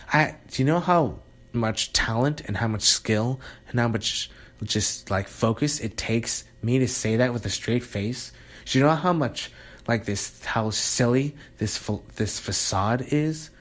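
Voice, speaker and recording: A man with a medium-pitched, slightly bright voice delivers a casual, rambling monologue full of sarcasm, often breaking off, restarting and interrupting himself with laughs.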